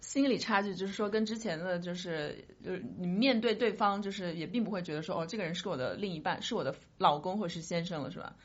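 A woman's voice: lowish voice, quick pace, few pauses, slightly rough, highs cut off. A woman co-hosting a podcast, chatting casually and explaining things candidly among friends. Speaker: podcast co-host.

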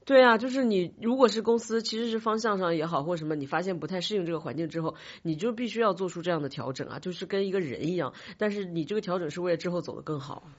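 A woman's voice: on the low side, fast talker, hardly any pauses. A woman co-hosting a casual panel chat, reassuring the others and putting questions to them. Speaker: podcast host. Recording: dull, band-limited sound.

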